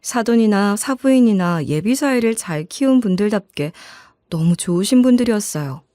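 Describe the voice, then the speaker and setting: A woman's voice: medium pitch, animated, moderate pace, warm tone, no room sound. Woman storyteller, dry close sound. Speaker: story narrator. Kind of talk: scripted first-person storytelling as a mother.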